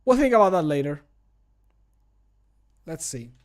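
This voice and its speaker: Casual male streamer, thirties, slightly higher-pitched voice, jokey, muttery and sweary, close-miked at a home desk. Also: very animated, measured pace. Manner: jokey, muttering to himself, profane. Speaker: streamer and game modder. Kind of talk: casual livestream chat while working. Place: home desk setup indoors. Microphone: close desk microphone.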